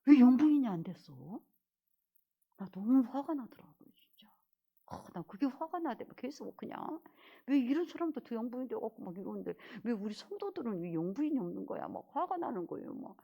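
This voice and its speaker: Woman pastor, lively swooping voice, scolding, loud then whispering. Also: a little high, fairly quick, gravelly, lo-fi sound. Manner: animated and scolding, swinging between loud exclamations and whispered asides. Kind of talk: sermon.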